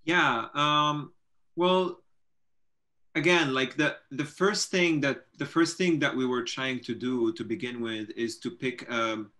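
A man in his thirties with a Lebanese accent speaks as an interview guest on a video call. His voice is bright and mid-pitched. He explains things casually but haltingly, often repeating words. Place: home room with bookshelves, video call. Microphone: computer microphone on video call.

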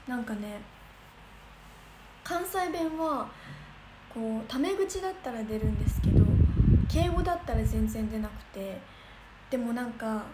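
Young woman from kansai rambling on a livestream, kinda high voice, echoey room with noise. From Kansai region of Japan. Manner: chatty, bubbly, thinks aloud with many fillers. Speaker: idol livestreamer. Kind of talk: casual livestream chat reading comments.

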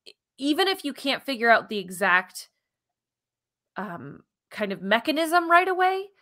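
A woman, co-hosting a science podcast in an animated, informal, emphatic conversational way. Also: high voice, a little slow. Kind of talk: conversational science news presentation. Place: small furnished room at home, indoors. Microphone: video call, wearing headphones.

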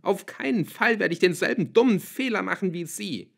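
A man voicing a desperate teenage girl who shouts through tears, in an audiobook reading. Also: high-pitched, lively intonation, moderate pace, vocal fry, pitched above the performer's own voice, heavily acted. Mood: bitter outburst.

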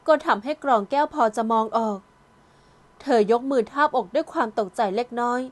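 High-voiced woman narrating an audio novel. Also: normal speed. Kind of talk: scripted narration.

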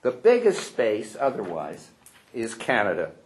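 A man's voice: fairly low pitch, wildly swooping pitch, measured pace, a little hiss or hum. A man at a panel talking through an old newspaper spread, with dry, wry asides and a few hesitant restarts. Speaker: panel speaker. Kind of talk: commenting on a historical newspaper spread.

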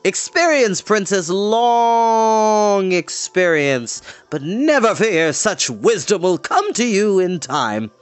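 A man voicing a boastful, excitable bard with a pompous, blustering manner in a storybook read-aloud. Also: sits high, slow, faint music behind, voice pushed up, full character voice. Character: boastful, excitable male bard, self-assured adviser.

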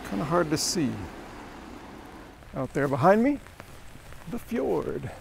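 A man's voice: a little high, big pitch swings, slow pace, vocal fry, slight background noise. A middle-aged man talking casually to a handheld camera as he walks around, making wry asides to the viewer. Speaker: travel vlogger. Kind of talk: casual walking vlog narration. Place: outdoors on rainy town streets and inside a shop. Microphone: handheld camera at arm's length.

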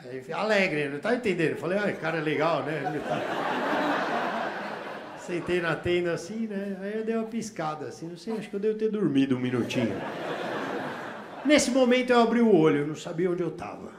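Stand-up comic from Brazil, crude and slangy, acts out every line of dialogue; live stage mic in a roomy hall with audience noise. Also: male voice, high voice, very animated, a little fast. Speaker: stand-up comedian. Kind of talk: stand-up storytelling. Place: comedy stage before a laughing audience.

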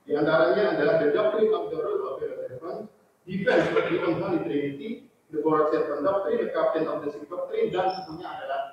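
A man giving a formal, measured answer as a doctoral candidate at his defense, pausing often with fillers. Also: fairly high pitch. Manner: measured, hesitant with frequent "eh" fillers. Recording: distant, roomy, muffled with faint noise.

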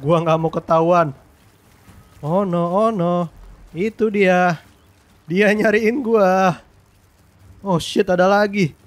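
A young man from Indonesia, giving excitable, slangy gameplay commentary. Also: high voice, slow pace, pauses often. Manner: excitable, slangy, swears in English often. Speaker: gaming YouTuber.

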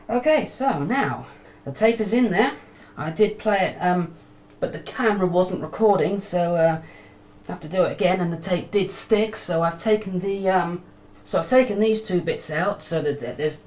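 A woman giving a casual hands-on demonstration with a hesitant, halting delivery, picked up on a camcorder microphone. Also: lowish voice, darkish tone. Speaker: hobbyist video maker, demonstrator. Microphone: camcorder microphone near the bench. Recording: noisy amateur camcorder sound.

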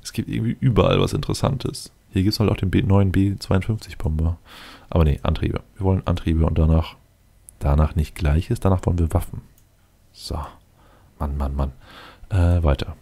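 A man with a very low, gravelly voice talks his way through a game. His tone is dark and mellow, and he mutters casually to himself, thinking aloud and addressing his units directly. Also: normal speed. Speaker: let's player commenting on his game.

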